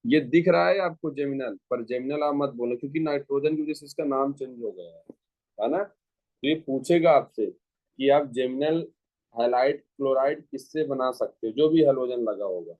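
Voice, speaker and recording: A man's voice: medium pitch, normal speed, no room sound, phone-quality sound. A man teaching a chemistry lecture who repeats his phrases and asks rhetorical questions as he talks students through each step. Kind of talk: classroom lecture.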